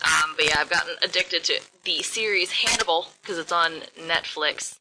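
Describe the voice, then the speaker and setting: A woman with a fairly low voice co-hosts a podcast in loose, rambling chat, sometimes speeding up in bursts. A loud steady noise runs under her voice throughout. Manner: chatty, rambling, quick bursts of speech. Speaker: podcast co-host. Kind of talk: casual chat.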